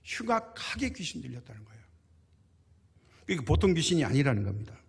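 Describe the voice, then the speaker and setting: Male pastor, sermon delivery, rhetorical questions, slightly high and breathy, long church reverb. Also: big pitch swings, brisk. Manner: emphatic, asks rhetorical questions and answers them. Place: church sanctuary.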